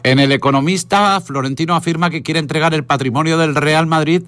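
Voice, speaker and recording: A radio host with an accent from Spain, commenting on the news informally in a halting, wry way with pauses for emphasis. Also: male voice, fairly high pitch, over music. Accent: Spanish from Spain.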